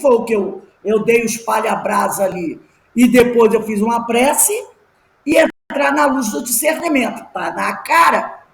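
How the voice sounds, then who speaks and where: A middle-aged woman teaching a class, telling personal stories with lively emphasis and rhetorical questions. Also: fairly high pitch, gravelly, roomy sound, a little hiss or hum, rough recording. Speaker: class teacher at a spiritist study group.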